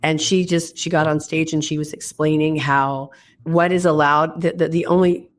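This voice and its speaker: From a hotel room, a woman hosts a casual interview chat for her podcast, speaking low at a moderate pace with little pitch movement. She sounds congested, as if from a head cold, yet stays chatty and enthusiastic.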